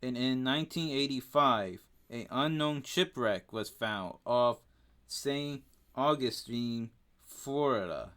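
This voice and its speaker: A man with a Spanish accent, a native Spanish speaker, co-hosting a casual podcast and reading out facts haltingly, stumbling over names with plenty of fillers. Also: medium pitch, fairly bright tone, clear, resonant tone. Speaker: podcast co-host.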